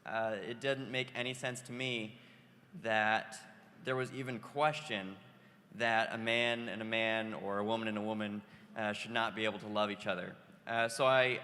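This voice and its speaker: A teenage high school student speaking on a panel, hesitant, with many fillers and restarts. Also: male voice, bright, forceful tone. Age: teens. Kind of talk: panel remarks. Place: convention hall. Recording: hall reverb, faint noise.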